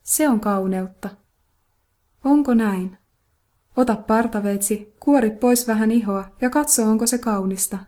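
Calm mellow woman reading a dharma talk. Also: a little high. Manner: calm, measured, rhetorical questions. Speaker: reader of a Buddhist talk. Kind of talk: scripted narration of a dharma teaching.

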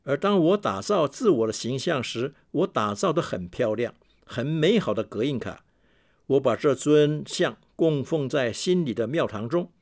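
A man delivers a meditation teacher's sermon as a voice-over translation. He speaks in a measured way, circling back to repeat key phrases for emphasis. His voice sits at an ordinary middle pitch. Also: animated, a little mellow.

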